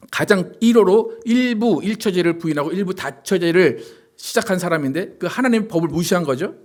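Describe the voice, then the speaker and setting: A male pastor giving a sermon in a conversational way, often asking the congregation rhetorical questions. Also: high voice. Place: church sanctuary.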